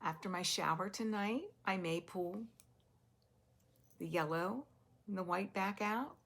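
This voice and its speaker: A woman's voice: mid-range voice, measured pace, gravelly, a bit bright. A woman hosting a knitting podcast from home, telling a rambling, casual story to camera and laughing often. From US East Coast.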